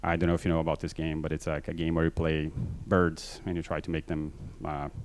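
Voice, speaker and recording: A low-voiced man with a flat delivery and darkish tone gives a conference talk from a large stage through a handheld mic. He has a mixed Brazilian Portuguese accent from living in many countries, and he talks fast and loosely with nonstop fillers and self-deprecating comments.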